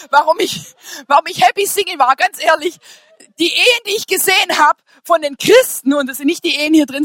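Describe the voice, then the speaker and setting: A woman. She speaks casually and with humor, moving from soft asides to shouted declarations. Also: sits high, no room sound, clean studio sound. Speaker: preacher. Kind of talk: lively sermon to a congregation.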